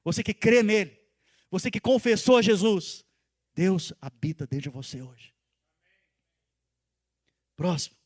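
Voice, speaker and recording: Male pastor, high voice, sermon, loud emphatic calls dropping to soft asides, quizzes the congregation. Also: animated, unhurried, long pauses. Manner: asks the congregation questions and repeats phrases for stress.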